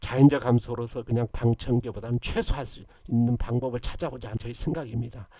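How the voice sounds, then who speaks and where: Somewhat breathy and dark, mellow in tone, a man's voice moves at a moderate pace. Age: 60s. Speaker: farmer. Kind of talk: casual talk to camera. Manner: halting, many fillers.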